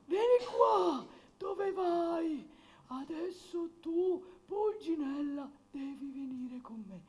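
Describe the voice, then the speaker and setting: A performer voicing Death as a bossy, exasperated skeleton puppet, scolding and commanding in a squeaky, shrill voice. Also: animated, slow pace, darkish tone, heavily acted. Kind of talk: Italian puppet theatre slapstick.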